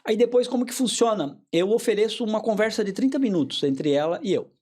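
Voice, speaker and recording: Man explaining therapy, somewhat high voice. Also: expressive, a little mellow. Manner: measured, repeats key phrases for emphasis. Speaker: hypnotherapist guest. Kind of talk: explanatory interview talk.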